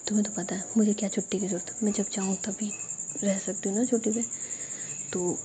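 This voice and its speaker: A woman's voice: medium pitch, little pitch movement, a little fast, warm tone, slight background noise, natural voice. Playful young woman, teasing and childish; a woman narrator voices her.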